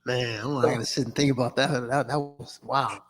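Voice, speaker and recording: A man's voice: mid-range voice, fairly even intonation, moderate pace. A man hosting an open mic, reacting with effusive, admiring exclamations. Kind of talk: casual live reaction.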